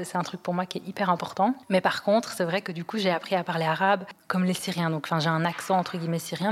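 A woman's voice: lowish voice, big-room sound. A woman in her thirties from Belgium, giving an earnest, reflective personal testimony as a podcast guest, with many hesitations. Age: 30s.

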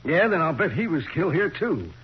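An actor, a man, playing a gruff, skeptical police detective with a blunt, slangy manner in 1940s radio style. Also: on the high side, sing-song, fairly quick, exaggerated voice. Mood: suspicious. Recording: muffled, lightly noisy old radio recording.

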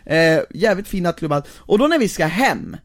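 A young man co-hosting a podcast, chatting casually and getting worked up as he tells stories. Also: high voice. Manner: animated storyteller, gets worked up. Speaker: podcast co-host. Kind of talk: casual chat.

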